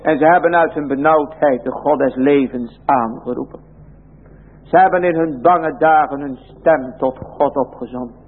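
A man's voice: fairly high pitch, moderate pace, husky. A man preaching a sermon in an emphatic style, using old biblical phrasing. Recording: tinny lo-fi phone-like recording.

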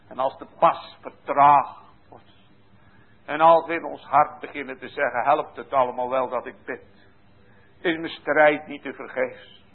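Impassioned preacher on a tinny line. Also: male voice, fairly high pitch. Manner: impassioned, swinging from hushed to loud. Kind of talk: sermon. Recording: tinny phone-like sound.

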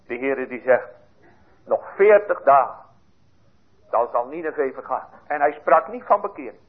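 A man preaching a fervent sermon, dropping to hushed tones and then rising to loud appeals. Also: mid-range voice, expressive, unhurried, slightly rough. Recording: tinny lo-fi sermon recording.

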